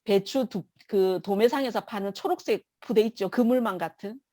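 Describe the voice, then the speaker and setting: A woman's voice: mid-range voice, normal speed, dark tone, no echo. A woman giving an emotional personal testimony in church, telling her story vividly.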